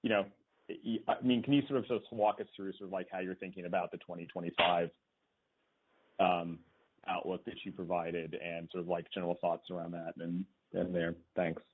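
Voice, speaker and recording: Male analyst, very low voice, filler-heavy, phone-line audio. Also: little pitch movement, normal speed, slight background noise. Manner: hesitant, filler-heavy questioning. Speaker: financial analyst. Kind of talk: earnings call questions.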